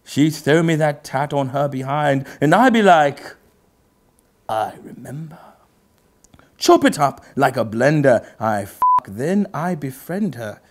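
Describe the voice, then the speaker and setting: A man in his thirties playing a pompous aristocratic gentleman host, giving a theatrical mock-literary dramatic reading of rap lyrics. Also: fairly high pitch, lively intonation. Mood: theatrical, emphatic. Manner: pompous, theatrical, drawn-out pauses. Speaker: comedy show host. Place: book-lined indoor study set, seated.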